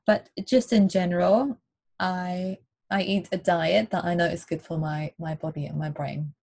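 A woman from Germany, a guest on a video call, talking in a thoughtful, hesitant way with many pauses. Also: on the low side, fairly even intonation, vocal fry, a little mellow, slightly rough. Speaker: interview guest. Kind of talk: casual chat. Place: home on a small island.

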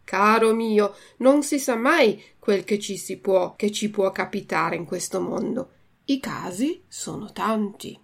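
A woman's voice: mid-range voice, takes it slowly, gravelly, slightly rough, exaggerated voice. Woman reading a patient old woodcarver. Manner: calm and admonishing.

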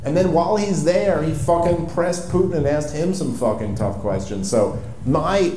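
Mellow man swearing casually, echoey live venue. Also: on the high side, moderate pace, slight background noise. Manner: profane, emphatic, informal. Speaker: podcast host. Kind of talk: casual political comedy talk on stage. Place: live show venue on stage.

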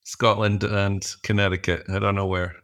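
Guest: middle-aged man, low register, reflective, halting, lots of restarts. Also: level tone, fairly bright tone. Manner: thoughtful, halting, frequent restarts and fillers. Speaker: podcast guest, executive coach. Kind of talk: conversational interview answers.

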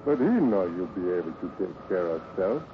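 An actor playing a loyal, gentle ranch hand who speaks earnest broken English with a foreign accent in a 1950s radio western. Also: male voice, low-pitched, big pitch swings, normal speed. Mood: gentle, coaxing. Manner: broken pidgin grammar, earnest and soothing. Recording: muffled, noisy old radio recording.

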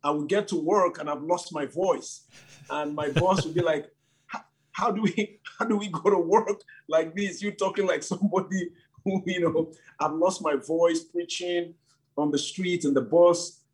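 A man's voice: a little high, moderate pace, husky, rough recording. A man who leads a church, talking about his early years in an interview with lots of fillers. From Nigeria. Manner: animated storytelling with frequent fillers. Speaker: church leader. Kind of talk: casual interview talk.

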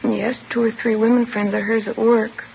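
A bitter teenage girl with a gravelly edge. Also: a little high, normal speed, a little hiss or hum. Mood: subdued. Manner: flat and withdrawn. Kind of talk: 1950s radio drama acting. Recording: lo-fi vintage radio broadcast.

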